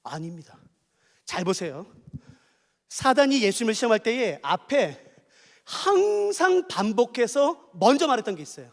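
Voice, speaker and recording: A man's voice: extremely high pitch, big pitch swings, moderate pace, vocal fry, long pauses, in a large hall. A male pastor preaching a sermon, emphatic and repeating key phrases.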